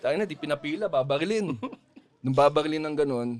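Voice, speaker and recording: A man's voice: a little high, fast talker, a crowd in the background. A man, a comedian guest on a podcast, rambling through a long joke and acting out the quotes. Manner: rambling storytelling with acted-out quotes and laughter.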